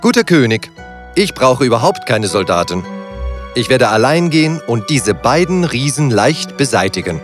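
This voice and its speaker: A man's voice: mid-range voice, big pitch swings, normal speed, close to an everyday voice. A man voicing a confident, cunning young tailor hero in a children's fairy tale, boastful and self-assured. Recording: music behind the voice.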